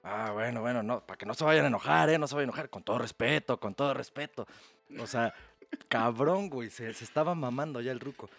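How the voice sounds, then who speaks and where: A man with a Mexican Spanish accent telling a crude, animated story on a casual podcast. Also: mid-range voice, brisk, vocal fry. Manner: crude slang-heavy, animated retelling. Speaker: podcast host.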